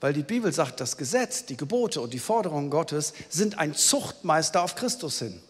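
A male pastor preaching a sermon in an earnest, pleading way, moving between loud exclamations and quiet, intimate passages. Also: on the high side, animated, normal speed, slightly rough, in a large hall.

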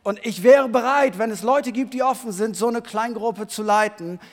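A pastor preaching a sermon in a church hall, moving between quiet talk and loud, shouted emphasis. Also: male voice, sits high, moderate pace. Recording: long reverb of a church hall.

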